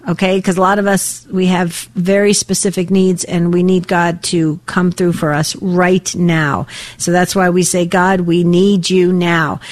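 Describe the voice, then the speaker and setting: A woman hosting a live call-in prayer radio show, talking in a chatty, rambling way with a slightly raspy, tired voice. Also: lowish voice. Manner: warm-hearted, chatty, rambling with restarts. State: voice a bit tired from early broadcasting. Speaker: radio talk show host.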